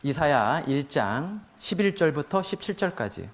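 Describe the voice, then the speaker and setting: A man's voice: fairly high pitch, very animated, moderate pace. Korean man teaching a church class. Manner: explains steps, acts out a mother's lines. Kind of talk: Bible class lecture.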